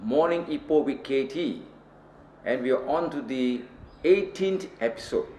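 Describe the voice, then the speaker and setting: A man's voice: medium pitch, expressive, unhurried, a little mellow, roomy sound, slight background noise. A Malaysian man hosting an interview with elaborate, ceremonious phrasing. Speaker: host.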